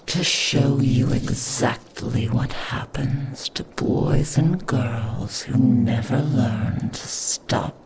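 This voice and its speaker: A woman voicing a seductive, possessive female Krampus demon in a whispered ASMR roleplay, teasing and mocking in an intimate hush. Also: extremely low pitch, very slow, creaky, few pauses, noisy background, full character voice. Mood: menacing.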